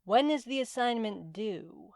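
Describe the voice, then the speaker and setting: A woman playing a stern, imperious Titaness who speaks in a measured, formal, curt way in a fantasy audio drama. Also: on the high side, animated, vocal fry, darkish tone. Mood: businesslike.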